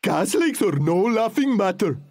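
A man's voice: high voice, big pitch swings, a little slow, a little mellow, heavily acted. A man voicing a mock-earnest cartoon character who gives preachy safety warnings to children. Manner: preachy, addressing the audience.

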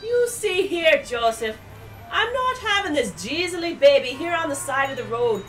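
An actress voicing a brash, bossy pregnant young woman in a comic radio drama, crude and sharp-tongued. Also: sits high, sing-song, normal speed, faint music behind, low-quality recording.

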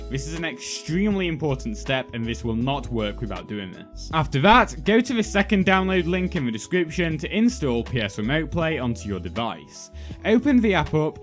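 A young man narrates a scripted how-to guide in a fairly high voice with very animated intonation. He lays out instructions step by step as a video host. Music plays softly behind him. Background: background music.

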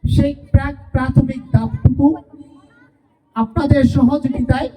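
A teacher's farewell address to parents at a school event comes through as a distant voice. She repeats her points and phrases and asks rhetorical questions, speaking unhurriedly in a high, mellow tone.

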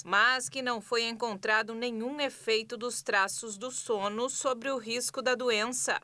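A woman reading a scripted news report as a voice-over, in a clear and steady way. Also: on the high side, dry recording.

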